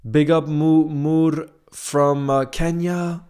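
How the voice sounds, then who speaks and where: A man's voice: on the high side, level tone, takes it slowly, darkish tone, smooth. A young man hosting a casual livestream, chatting and reading viewer comments aloud. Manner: conversational, often asks "you know what I mean". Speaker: livestream host.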